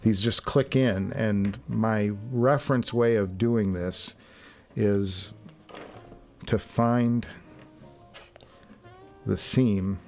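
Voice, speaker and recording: A man's voice: lowish voice, steady tone, drawn-out words, pauses often, faint music behind. A man hosting a casual live stream, muttering to himself and chuckling as he assembles headphones. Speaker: livestream host. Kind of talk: casual live-stream chat while working. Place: home garage studio.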